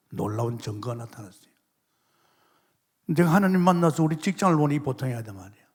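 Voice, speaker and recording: Middle-aged male pastor, husky voice, sermon with testimony, emphatic swings to hushed asides, big reverberant church hall. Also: medium pitch. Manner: emphatic preaching with sudden loud exclamations and hushed asides; testimony storytelling, acts out quoted voices. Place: large church sanctuary.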